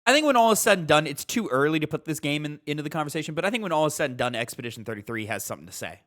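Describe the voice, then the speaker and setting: A man's voice: a little high, expressive, very fast, fairly bright tone. A man co-hosting a casual gaming podcast, talking informally and giving his opinions emphatically.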